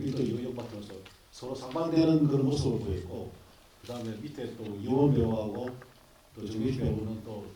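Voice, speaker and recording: A man's voice: medium pitch, mellow. A man in the audience asking a rambling, hesitant question at a film Q&A. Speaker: audience member. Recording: echoey cinema hall, far off, crowd.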